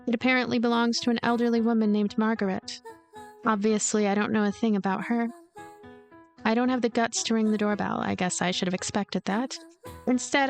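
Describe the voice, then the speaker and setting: A woman reading a story game aloud as a let's player, mixing narration with casual commentary. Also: a little high. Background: music.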